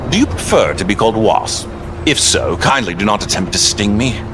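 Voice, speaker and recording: A man's voice: fairly low pitch, fairly quick. Magneto, voiced by a man, silken and courtly. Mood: courteous. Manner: formal, silken, flattering. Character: suave older male master of magnetism, courtly and scheming. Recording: noisy recording.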